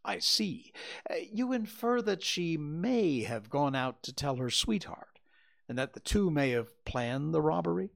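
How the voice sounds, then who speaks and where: A man doing a shrewd, unhurried detective, precise and probing, in a storybook reading. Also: on the high side, big pitch swings, vocal fry, pitched above the performer's own voice, exaggerated voice. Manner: precise, questioning. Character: calm shrewd male detective.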